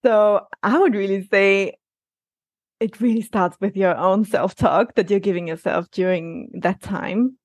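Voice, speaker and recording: A woman speaks as a coaching guest in a relaxed interview, her tone gentle and reassuring. She often breaks off and restarts her sentences as she thinks aloud. The sound is dry and close. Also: medium pitch, measured pace, no echo. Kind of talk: conversational interview answers.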